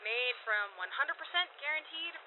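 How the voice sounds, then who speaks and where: An actress playing a weary, sardonic grown daughter in a comedic audio drama, deadpan and exasperated. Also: female voice, high voice, moderate pace. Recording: lo-fi muffled recording with faint noise.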